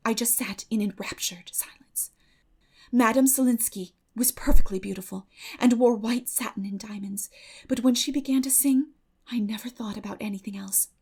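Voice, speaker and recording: A woman voicing an earnest, excitable, dreamy orphan girl in a storybook, with gushing, dramatic delivery. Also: fairly high pitch, moderate pace. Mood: enraptured. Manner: gushing, dramatic, breathy in rapture.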